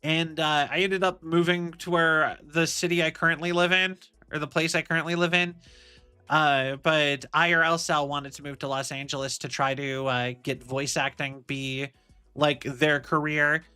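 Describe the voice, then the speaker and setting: A man's voice: a little high, little pitch movement, normal speed, pushed and bright, clear, resonant tone, soft background music. A young man streaming as a VTuber, chatting casually and rambling, often circling back with "like I said". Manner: rambling, repeats "like I said".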